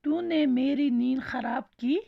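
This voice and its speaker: A proud male lion, king of the jungle, growls threats in a children's storybook, as a woman teacher reads him. The voice is gravelly and husky with a touch of height. The sound is dry and dull. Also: high-pitched, unhurried, full character voice. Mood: threatening. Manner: threatening, scolding.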